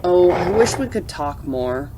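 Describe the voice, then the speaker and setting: A woman's voice: lowish voice, expressive, unhurried, music in the background. A woman playing a friendly, informal small-town reporter in an amateur radio drama. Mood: welcoming. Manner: welcoming, informal. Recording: hissy, noisy background.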